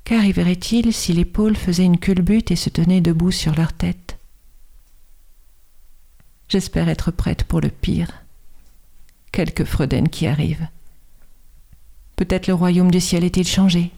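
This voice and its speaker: An actress reading a poem aloud as a wistful female narrator, with a measured, expressive delivery. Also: lowish voice, vocal fry. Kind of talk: poetry reading.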